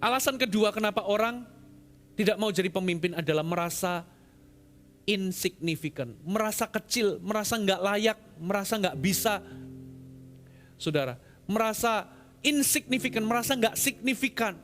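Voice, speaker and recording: A man preaching a sermon as pastor, swinging between loud emphatic lines and hushed, quiet ones. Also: high-pitched, animated, normal speed, long pauses, faint music behind.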